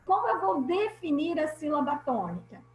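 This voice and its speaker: Woman teacher, brazilian portuguese accent, high voice, patient explaining, echoey room, video call. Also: sing-song, normal speed. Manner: patient, explanatory, repeats key points. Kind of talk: online class lesson.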